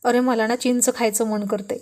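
A woman's voice: fairly high pitch, flat delivery, moderate pace, darkish tone, natural voice. A woman voicing a clever, affectionate young wife who speaks with confidence in a read-aloud love story. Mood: coaxing. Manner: confident, teasing. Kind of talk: storybook reading.

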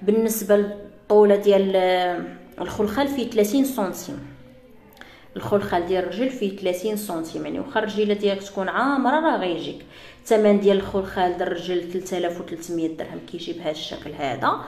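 A woman with a Moroccan Arabic accent, chatting through a live sales pitch for jewelry to her female viewers. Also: rapid-fire, darkish tone, roomy sound. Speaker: jewelry seller.

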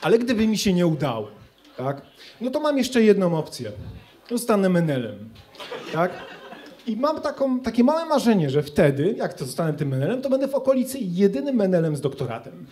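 With a warm, high-sitting voice, big pitch swings and a fairly quick pace, a young man delivers an ironic, conversational comedy monologue. Some hiss or hum is audible; he uses a handheld mic on a student club stage facing an audience.

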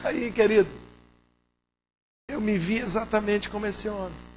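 A hoarse male pastor preaching a sermon, moving from quiet, intimate talk to fervent shouting. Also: sits high, a little slow, a little hiss or hum.

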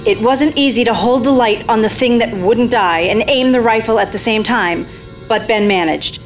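A woman's voice: on the high side, moderate pace. A woman on stage reading scripted narration for a radio play. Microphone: stand microphone. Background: music.

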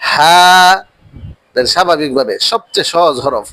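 A man with a high voice teaches the Arabic letters with slow patience. He repeats each point and draws every letter name out long and loud. The sound is dry and close, with no room behind it. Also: no room sound. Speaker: Quran teacher.

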